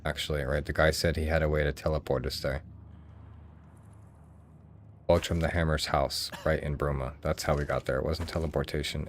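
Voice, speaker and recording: Man, from the US, casual game commentary, chatty, swears, very deep voice. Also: vocal fry, slight background noise. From United States. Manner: chatty, swears freely, talks to viewers. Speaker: game streamer.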